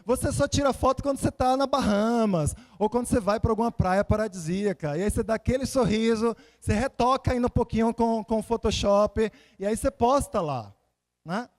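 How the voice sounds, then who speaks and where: A man Salvador, preaching conversationally in an animated storytelling way, with rhetorical questions and repeated phrases for emphasis. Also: sits high, fairly quick. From Salvador, Bahia, Brazil. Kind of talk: conversational sermon with personal anecdotes and scripture readings.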